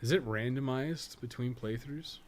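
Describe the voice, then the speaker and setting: A man's voice: medium pitch, normal speed. A man giving casual, rambling gameplay commentary with plenty of swearing and crude joking. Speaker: podcast co-host streaming a video game. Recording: clearly noisy background.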